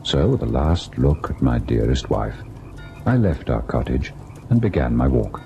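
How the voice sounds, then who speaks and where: A man's voice: rumbling low, very animated, a little slow, dull audio, faint music behind, full character voice. An actor playing a devoted young husband who narrates his ghost encounter in theatrical, literary radio-drama style. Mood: brooding. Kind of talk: dramatic old-time radio first-person narration. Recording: noisy old radio drama recording.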